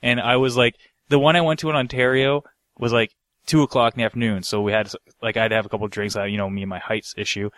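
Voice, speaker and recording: A man's voice: medium pitch, level tone, fast, a bit bright, no room sound. A male podcast co-host with a mid-range voice rambles through casual stories. His talk is slangy and loose, and the recording is close and dry. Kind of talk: casual anecdote-telling chat.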